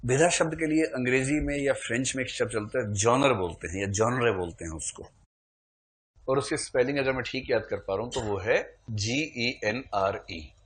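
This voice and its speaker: A male teacher delivers a classroom lecture in an easy, conversational manner. He slips in humorous asides and keeps checking in with his listeners as he explains. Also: medium pitch.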